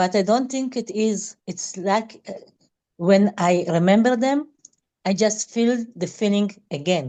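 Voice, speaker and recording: This woman has a dark, mellow tone at a medium pitch. She talks at a fairly slow pace with ordinary pitch variation. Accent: non-native. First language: not English. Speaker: group participant. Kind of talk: personal sharing.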